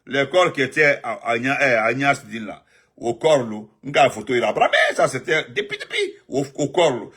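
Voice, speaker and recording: A man, giving animated live-stream political commentary and greeting viewers, repeating himself and jumping up in pitch when he stresses a point. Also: moderate pace, breathy edge. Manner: excited, repetitive, pitch jumps up sharply when emphatic.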